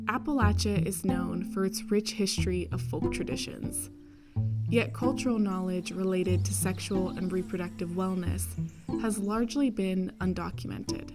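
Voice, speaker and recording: A woman talks at a moderate pace. Behind her, music can be heard. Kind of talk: documentary narration.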